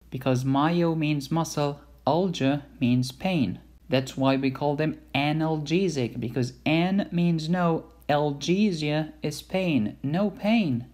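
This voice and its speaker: A man's voice: fairly high pitch, a little mellow. A man giving an informal medical lecture in a playful, blunt and emphatic way. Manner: playful, blunt, emphatic teaching with mild cursing.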